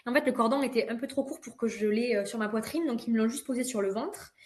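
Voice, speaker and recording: A woman in her twenties, a podcast guest, telling a personal story in a vivid, expressive way with quick asides. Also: a little high. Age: 20s. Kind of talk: casual conversational storytelling.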